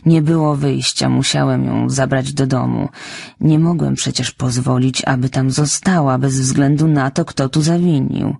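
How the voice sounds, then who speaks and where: A woman voicing a quiet, resigned older farmer man who explains slowly and apologetically. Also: extremely low pitch, steady tone, vocal fry, slightly rough, no room sound, clean studio sound, heavily acted.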